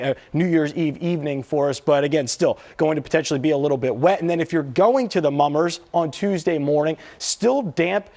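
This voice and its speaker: A man's voice: fairly high pitch, a little mellow. An American man presenting a live weather forecast as a TV meteorologist, talking in a conversational, explanatory way.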